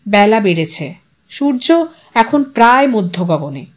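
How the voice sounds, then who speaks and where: A woman narrating a scripted literary audio story in an expressive, dramatic storytelling manner. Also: medium pitch, unhurried.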